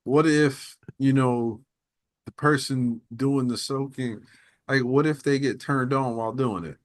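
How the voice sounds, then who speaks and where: A man's voice: mid-range voice, fairly even intonation, measured pace, no room sound. A man co-hosting a podcast, musing in hesitant, rambling casual chat. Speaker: podcast co-host.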